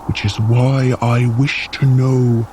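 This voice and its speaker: An actor playing a proud, solemn frost giant guide in an audio drama, speaking formally and earnestly. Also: male voice, mid-range voice, level tone, darkish tone, a little hiss or hum, close to an everyday voice, poor audio. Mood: grave. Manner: formal, measured, earnest speech. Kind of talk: scripted audio drama acting.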